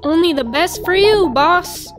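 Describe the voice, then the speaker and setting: A woman's voice: very high voice, lively intonation, a little slow, soft background music. A woman voicing a scrappy, eager animal henchman in a cartoon. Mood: eager, menacing. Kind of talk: cartoon voice acting.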